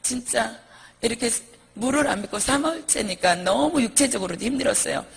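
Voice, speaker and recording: Woman minister, testimony; high, husky voice, earnest and vivid storytelling. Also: lively intonation, fairly quick. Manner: earnest, vivid storytelling, relives her pleading prayers. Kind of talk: personal testimony.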